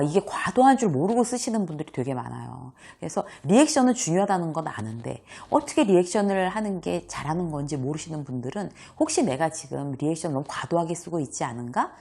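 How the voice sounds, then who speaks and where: Woman, husky voice, swooping pitch, talking-head lesson host. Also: fairly quick, hardly any pauses. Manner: animated, acts out examples, laughs often. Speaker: host and workplace communication coach.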